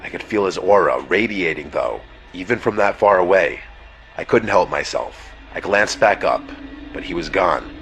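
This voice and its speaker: A man reading a first-person horror story as scripted narration, in a measured, somber way that slows and drops low at the ends of phrases. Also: creaky, soft background music. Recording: steady ambient noise bed under the voice.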